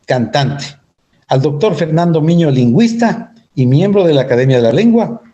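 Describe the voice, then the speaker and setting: Male narrator, formal and measured, mellow mid-high voice. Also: highs cut off. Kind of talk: scripted narration.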